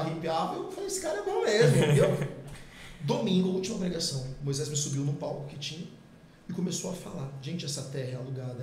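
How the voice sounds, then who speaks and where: A middle-aged man, a podcast guest, telling a personal testimony in a lively way and acting out the dialogue. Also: mid-range voice. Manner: lively, acts out quoted dialogue. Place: podcast studio. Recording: echoey room.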